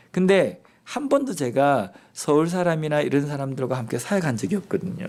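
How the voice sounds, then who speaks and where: Audible room echo surrounds a man with a strong Busan accent whose fairly high pitch and lively intonation carry along at a moderate pace. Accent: strong Busan dialect (Gyeongsang). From South Korea, Busan. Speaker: pastor. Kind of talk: sermon.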